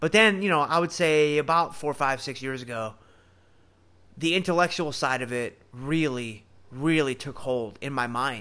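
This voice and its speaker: A man speaks in an animated, bright and sharp tone at a fairly high pitch with ordinary pitch variation. The recording is very clean with a silent background. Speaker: podcast host. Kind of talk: casual monologue.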